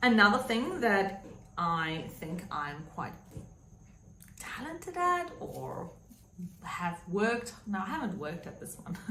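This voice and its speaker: A woman with a South African accent speaks at a very slow pace, with very wide pitch swings, big swings in loudness, and long, frequent pauses, amid audible room echo and noticeable background noise. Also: medium pitch for a woman. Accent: Afrikaans South African English. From South Africa, small country town. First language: Afrikaans. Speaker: local councillor and vlogger. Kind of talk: livestream monologue. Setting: livestream video. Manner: animated, conversational.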